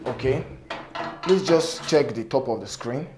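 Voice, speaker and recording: A man instructor with a cracked, sore-throated voice, giving an informal hands-on repair tutorial in a halting, repetitive way. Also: medium pitch, expressive. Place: indoor workshop table. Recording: noticeable background noise, clicks.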